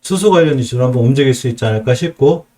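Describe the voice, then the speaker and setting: A man's voice: mid-range voice, racing, mellow. A middle-aged man with a Chungcheong accent, teaching stock charts on a live stream, explaining and asking and answering his own questions. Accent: Chungcheong Korean.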